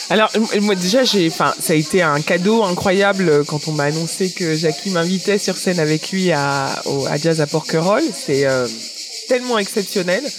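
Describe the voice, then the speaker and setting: A woman speaks at a moderate pace with lively intonation and very even loudness, her pitch fairly low. Noticeable background noise can be heard. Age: 40s. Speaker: jazz singer. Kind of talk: interview. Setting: live radio broadcast with audience.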